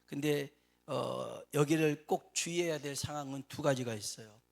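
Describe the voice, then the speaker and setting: A man preaching a Sunday sermon as a pastor, quizzing his congregation with questions and reading scripture slowly and solemnly. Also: fairly high pitch, gravelly. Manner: reads scripture slowly and solemnly, swells louder on emotional lines. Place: church sanctuary.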